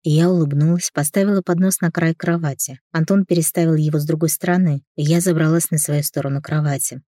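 A woman narrates a first-person romance in a lively, expressive way. Her voice sits low, with a dark, mellow tone, and it is recorded close and dry. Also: a little fast, dry recording. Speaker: audiobook reader.

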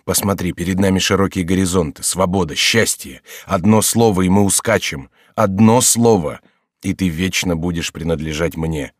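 A man's voice: low voice, normal speed, no room sound, studio quality. A man reading an audiobook, voicing an ardent young nobleman who pleads urgently. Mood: passionate. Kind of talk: audiobook character voice.

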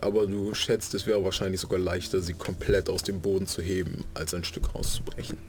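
A man's voice: sits low, flat delivery, brisk. A man narrating as game master of a tabletop horror game, describing the scene with many fillers.

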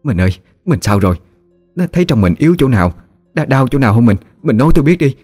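A man voicing a frantic village wife from the south, pleading with her husband in rapid, urgent questions. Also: medium pitch, very animated, darkish tone, slightly rough, faint music behind, voice pushed up. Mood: worried pleading.

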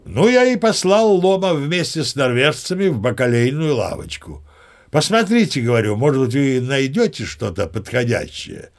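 A man's voice: medium pitch, very animated, moderate pace, creaky. An actor playing a boastful old sea captain who narrates his tall tales with chatty, old-fashioned courtesy. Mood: storytelling. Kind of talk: audio play narration.

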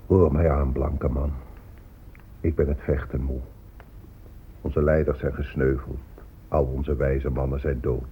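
Deep-voiced, weary Native American chief. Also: male voice, level tone. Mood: weary, mournful. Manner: slow, declamatory, mournful. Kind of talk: solemn radio drama oratory. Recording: muffled lo-fi tape with faint rumbling noise.

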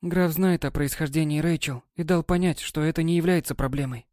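Brief: soft, coaxing sea captain's wife, put on by a male reader, lifted mellow tone. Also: a little high, fairly even intonation, brisk, no room sound, clean studio sound, pitched above the performer's own voice, close to an everyday voice. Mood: tender. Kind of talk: audiobook character voice.

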